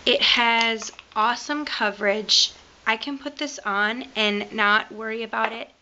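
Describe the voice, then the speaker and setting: A woman beauty vlogger, a little raspy from being sick, chatting casually through a product review with lots of "um" and "like". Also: on the high side, fairly even intonation, a little slow, sharp tone, lo-fi sound, slight background noise.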